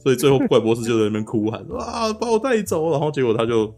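A man hosting a podcast, recapping a plot in a chatty, animated way and often asking "you know?". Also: medium pitch, very fast, soft background music. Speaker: podcast host.

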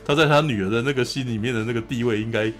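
A man hosting a casual anime review chat, retelling scenes in an animated way, often laughing and checking in with "you know?". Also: mid-range voice, very fast, soft background music. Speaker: host.

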